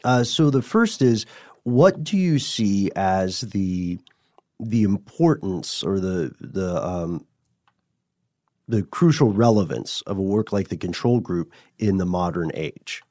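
A man hosting a conversational podcast interview, articulate and measured, with a rather formal choice of words. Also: sits low, expressive, a little mellow, no echo, studio quality.

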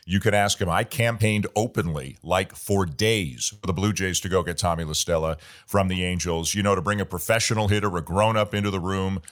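A male host with a low, deep voice who asks questions in a relaxed, conversational way. He offers his own opinions freely and adds easygoing asides. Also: a little fast, few pauses. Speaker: podcast host. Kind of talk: conversational interview hosting.

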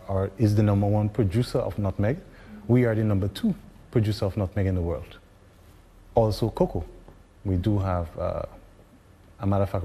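A man from Grenada speaking as an ambassador, his voice lowish and mellow. He talks haltingly, stopping often for ums, and a long reverb trails his words. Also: a little hiss or hum. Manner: halting, many pauses and ums. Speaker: ambassador, interview guest. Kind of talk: interview answers.

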